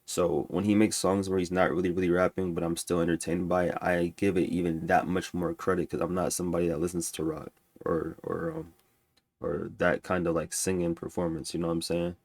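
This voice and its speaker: A man's voice: low-pitched, flat delivery, a little fast, darkish tone, no room sound. A man with a stuffy nose ranking music albums in casual, rambling talk full of restarts and fillers. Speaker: music reviewer.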